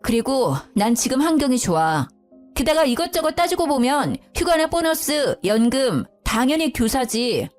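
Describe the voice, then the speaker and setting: A woman's voice: high voice, very animated, normal speed, faint music behind. A woman in her thirties telling a dramatized story of a marital fight, indignant and emphatic. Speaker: storyteller, schoolteacher wife.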